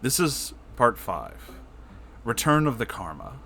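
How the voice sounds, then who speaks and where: A man hosts a story reading with a very lively, swinging delivery. His pitch sits in an ordinary male range. He is effusive and casual, reacting emotionally as he goes, with soft music underneath. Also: measured pace, vocal fry. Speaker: host reading internet stories aloud.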